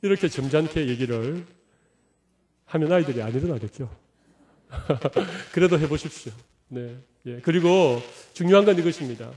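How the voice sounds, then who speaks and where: A man's voice: a little high, animated, moderate pace, a little mellow. A middle-aged man preaching a sermon as pastor, conversational and humorous, acting out little quotes of everyday talk.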